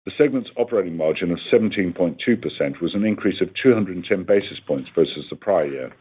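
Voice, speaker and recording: A man with a very low, husky voice delivers a scripted financial report. He reads formally and evenly paced, like a company executive. The sound is narrow and phone-like, as on a conference line. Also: lively intonation. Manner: formal, measured reading of figures. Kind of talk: scripted earnings call presentation.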